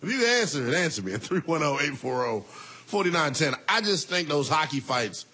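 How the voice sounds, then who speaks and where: A young man in his twenties hosts a call-in sports talk show, bantering and laughing with callers. His voice is lively and bright, with a slightly husky edge. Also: fairly high pitch, normal speed. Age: 20s.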